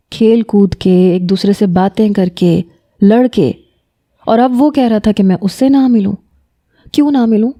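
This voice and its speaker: A woman narrating a first-person romance novel in a calm, measured way. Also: mid-range voice.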